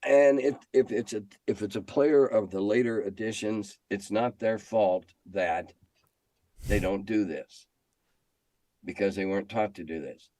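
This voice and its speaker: Here a seasoned game designer and editor from the US, an older man, gives conversational interview answers in a lowish, warm voice at a somewhat slow pace. Storytelling mixes with opinions he underlines by repeating phrases, and the sound is free of room reverb.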